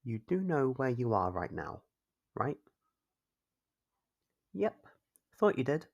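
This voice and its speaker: A voice actor plays an obsessive stalker in an ASMR roleplay, using a husky, gravelly, middling-pitched voice. Like a doting, possessive and smug owner, the captor coaxes, chides and drags out teasing little questions, with big pitch swings, heavy acting and the highs cut off.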